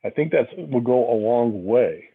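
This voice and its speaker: A man's voice: mid-range voice, expressive, a little slow, breathy edge. Man on a tinny phone line. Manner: emphatic, rambling, restarts often. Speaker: committee member. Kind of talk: public meeting comments.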